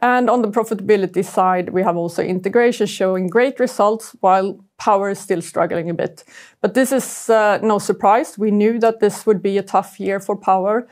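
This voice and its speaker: A woman's voice: mid-range voice, normal speed, a little mellow. A woman giving a corporate earnings presentation as chief executive, searching for words as she goes.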